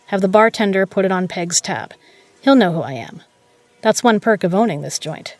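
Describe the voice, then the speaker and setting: A woman playing a shrewd, proud poker legend who runs a bar, brash, sardonic and quick to swear, in an audio drama. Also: mid-range voice, lively intonation, darkish tone, dry recording, close to an everyday voice. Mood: confident, breezy. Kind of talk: dramatic audio roleplay acting.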